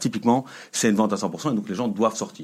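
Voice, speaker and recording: The speech runs at a very fast pace with fairly even intonation on a very clean recording with a silent background. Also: man. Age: 40s. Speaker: investor, former lawyer. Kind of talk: radio interview. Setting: radio studio.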